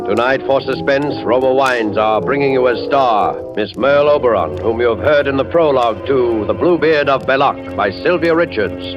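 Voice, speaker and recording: A man announcing a 1940s radio drama with formal, dramatic delivery. His voice sits in a middle pitch over clearly heard music. The sound is dull and muffled like an old broadcast. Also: normal speed, few pauses. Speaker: program announcer. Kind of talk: 1940s radio show introduction.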